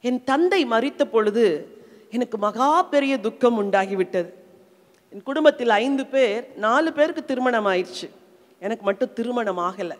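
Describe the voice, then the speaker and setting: High-pitched Tamil woman preacher, reverberant hall. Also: expressive, moderate pace. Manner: emotional, rising and falling in intensity. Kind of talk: sermon.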